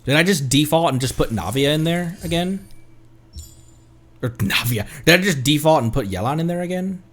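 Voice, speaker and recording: Man chatting casually with lively pitch. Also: moderate pace. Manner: rambling, thinking aloud to viewers. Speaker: streamer, VTuber host. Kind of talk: casual live game stream commentary. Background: music.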